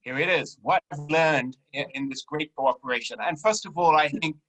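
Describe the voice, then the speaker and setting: Orateur à la voix claire et vive. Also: male voice, a little high, normal speed, fairly bright tone, poor audio. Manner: conversational, with fillers. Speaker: conference speaker. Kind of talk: closing speech.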